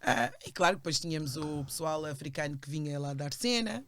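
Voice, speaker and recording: A woman's voice: low-pitched, lively intonation, brisk. A woman, chatting casually as an interview guest, often laughing and slipping into English phrases. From Portugal and England. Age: 40s. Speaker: podcast guest, teacher.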